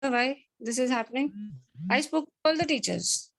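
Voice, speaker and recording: Higher-pitched South Asian woman teacher, earnest and admonishing. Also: animated, normal speed, gravelly. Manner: earnest, admonishing, maternal, repeats herself; mixes Hindi phrases into English. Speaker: biology teacher addressing an online or classroom class. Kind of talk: lecturing and counselling students.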